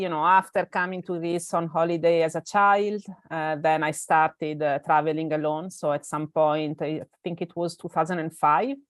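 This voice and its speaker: Italian-accented woman, low and dry. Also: no room sound. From Italy. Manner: hesitant, many fillers and restarts. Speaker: guest. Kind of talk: casual interview chat.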